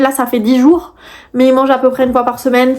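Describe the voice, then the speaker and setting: This woman has a high-pitched voice. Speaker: YouTuber, snake keeper. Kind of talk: casual vlog. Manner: animated.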